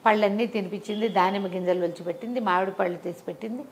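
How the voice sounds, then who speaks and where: A woman's voice: mid-range voice, fairly even intonation, racing, slight background noise. A woman storyteller narrating a folk tale in a conversational, explanatory way, repeating phrases for emphasis.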